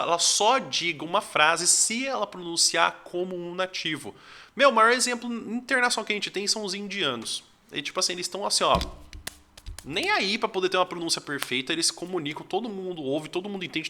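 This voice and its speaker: A young Brazilian man with a high, sharp voice teaches English in a casual talking-head lesson. His delivery is conversational and packed with fillers like "tipo assim."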